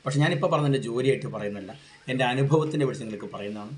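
A man's voice: medium pitch, rapid-fire, darkish tone. A middle-aged man, giving an earnest, rambling product testimonial.

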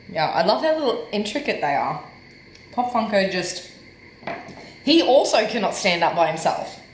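A young woman in her twenties with a nasal voice, chatting casually and joking at her own expense while unboxing small figures for her book vlog at home. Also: medium pitch. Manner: chatty and self-mocking, bubbly over small finds. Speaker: book vlogger. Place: home living room and bedroom, indoors. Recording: echoey room with faint background hiss.

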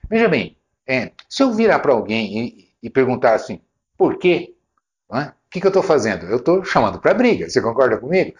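Lively man teaching sales. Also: a little high. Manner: conversational, rhetorical questions, frequent "né?" fillers. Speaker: retail sales trainer, channel host. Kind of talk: talking-head sales lesson.

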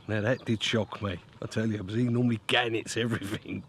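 A man's voice: on the low side, steady tone, fairly quick, slight background noise. Middle-aged male vlogger, casual and chatty, close camera mic, faint outdoor ambience. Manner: chatty, repeats "look" often, coos at his dog. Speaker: fishing vlogger. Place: beside a lake, outdoors by a tent. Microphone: handheld camera close to face.

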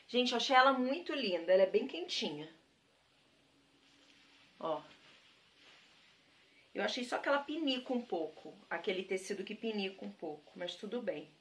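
With a medium-pitched, fairly bright voice and a slight hiss or hum in the recording, this Brazilian vlogger chats casually to camera about her thrift-store finds. She speaks directly to her audience, gushing and saying the same praise words again and again.

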